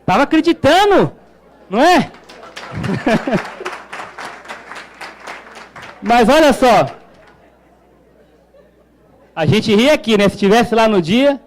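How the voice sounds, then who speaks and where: A man's voice: extremely high pitch, expressive, takes it slowly, pauses often, a faint crowd. A male pastor preaching a sermon in a conversational way, with jokes and rhetorical questions.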